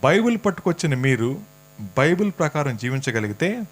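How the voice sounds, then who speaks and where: A man's voice: a little high, sing-song, brisk. A man preaching a sermon in a church, talking casually and teasing the congregation with questions. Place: church hall.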